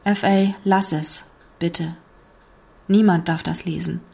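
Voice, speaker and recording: A woman reading the part of a calm, commanding female seminar leader with a quietly suggestive voice, in an audiobook. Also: fairly low pitch, slow, vocal fry, slightly rough, full character voice. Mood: calm pleading.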